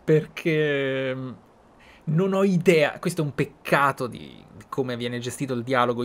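A man giving casual, musing commentary as he plays a game, thinking aloud. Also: medium pitch. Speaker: gameplay streamer.

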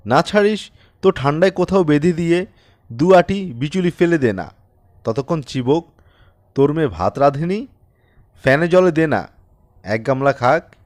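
A man voicing a haughty, callous Brahmin priest in an audiobook story, with sharp taunts and contemptuous commands. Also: on the high side, lively intonation, normal speed, pauses often, no room sound, natural voice. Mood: impatient.

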